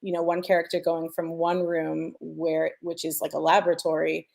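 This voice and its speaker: Low-pitched, creaky-voiced woman explaining casually. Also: completely flat delivery, normal speed, a little mellow. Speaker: sound designer and panelist. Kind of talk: casual explanatory panel talk.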